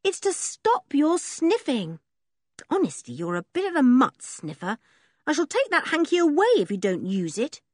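Storybook reading: woman playing a brisk commanding girl, raised pitch, lively delivery. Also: dry recording, studio quality. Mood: bossy. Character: bossy spirited tomboy girl.

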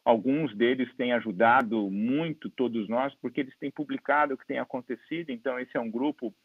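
A man with a Brazilian Portuguese accent lectures conversationally as a guest expert. His mid-pitched voice has plenty of gravelly fry, and the online recording is dry and a little dull, with slightly lo-fi sound. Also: fairly quick, no echo. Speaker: guest medical expert and presenter.

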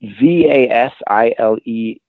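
A man's voice: mid-range voice, slow, no room sound. An American man chatting as a comedian guest, telling rambling, sweary, self-deprecating anecdotes. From Maryland, USA. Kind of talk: casual anecdotal chat. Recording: narrow tinny phone-like line, dry.

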